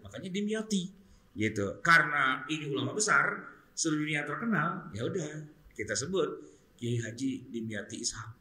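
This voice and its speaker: Bright-voiced man, chatty religious teacher. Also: on the high side. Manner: chatty, joking, animated explaining. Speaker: Islamic teacher. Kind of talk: casual religious study talk. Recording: roomy echo.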